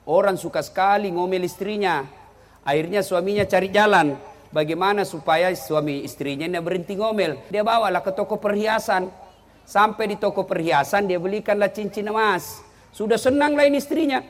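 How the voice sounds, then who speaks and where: High-voiced joking male preacher. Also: normal speed, a little hiss or hum. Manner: animated, joking, swings between low asides and high exclamations. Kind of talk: humorous sermon to an audience.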